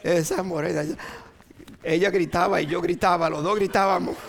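A Dominican man in his sixties with a Dominican Spanish accent, giving an informal sermon with personal stories, playful and quick to chuckle, dropping in English words. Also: high-pitched, fairly even intonation, gravelly, noisy background. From Dominican Republic. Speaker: preacher.

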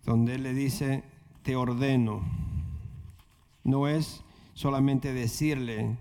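A man's voice: mid-range voice, steady tone, slow, dark tone. A pastor preaching earnestly and then leading a prayer, repeating his phrases and stopping on fillers. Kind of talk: sermon and prayer. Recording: long hall reverb.

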